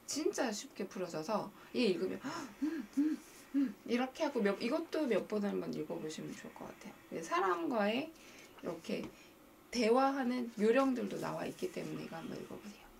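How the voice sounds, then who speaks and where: A woman coaching viewers on a live stream, talking to them directly with animated emphasis. Her voice has a gravelly edge and swings widely in pitch. She sits some way off the mic, with faint noise behind her. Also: fairly quick, far from the mic. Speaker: mind-training coach and live-stream host.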